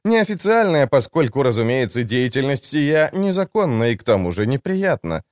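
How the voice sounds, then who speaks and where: A man reading a sly, talkative young male schemer who speaks in a mocking, deliberate way. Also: mid-range voice, big pitch swings, dry recording, clean studio sound, close to an everyday voice. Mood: smug, mocking.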